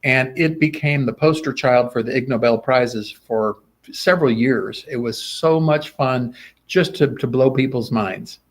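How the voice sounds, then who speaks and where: A man's voice: mid-range voice, unhurried. A middle-aged man, a guest sword swallower, telling stories in a casual interview and acting out the dialogue he quotes. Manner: animated, acts out quoted dialogue.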